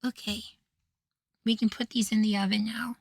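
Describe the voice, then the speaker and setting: A man playing an affectionate, easily flustered young femboy househusband in an intimate ASMR roleplay, speaking in a soft, feminine, coaxing way. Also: high voice, level tone, moderate pace, gravelly, breathy edge, no room sound, exaggerated voice. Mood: soft, reassured. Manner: coaxing, gently praising, sweetly apologetic.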